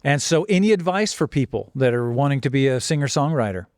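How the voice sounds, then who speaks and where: A middle-aged man hosting a podcast, chatting casually and eagerly with quick short affirmations. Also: mid-range voice, expressive, a little mellow, no echo, clean studio sound. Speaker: podcast host. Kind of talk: casual interview chat.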